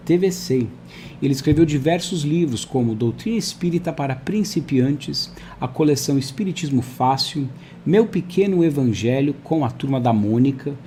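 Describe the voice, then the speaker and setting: A man's voice: a little high, warm tone, slight background noise. A man hosting a live online interview over a video call, chatty and friendly, talking to viewers and his guest. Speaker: host.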